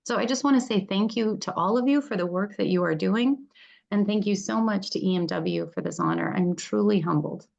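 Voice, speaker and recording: Gravelly-voiced woman giving acceptance speech. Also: mid-range voice, a little mellow, muffled recording. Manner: earnest, listing points deliberately. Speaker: award recipient, employment lawyer.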